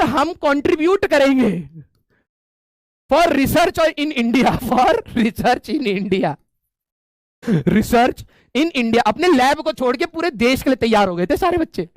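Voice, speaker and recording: A man's voice: extremely high pitch, no room sound. A male teacher telling a humorous story to his class with students around him, often chuckling and checking in with them as he goes.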